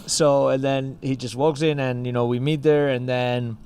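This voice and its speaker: A man's voice: mid-range voice, level tone, moderate pace, a little mellow, smooth. A man from Spain with a Spanish accent, a music school co-founder chatting casually on a podcast and telling a story with lots of fillers. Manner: storytelling, many fillers like "you know" and "like".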